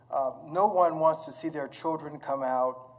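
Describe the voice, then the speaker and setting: A man with a plain, everyday voice speaks at a fairly slow pace in an American accent, with a fairly high pitch and fairly even intonation. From Wichita, Kansas. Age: 60s. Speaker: public commenter. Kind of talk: public hearing testimony. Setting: public hearing.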